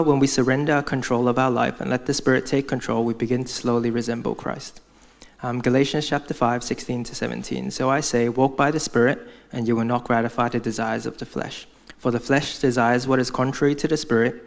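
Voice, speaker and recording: Young man, creaky voice, church testimony. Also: mid-range voice. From Hong Kong. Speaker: church member giving a testimony. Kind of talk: prepared church testimony speech.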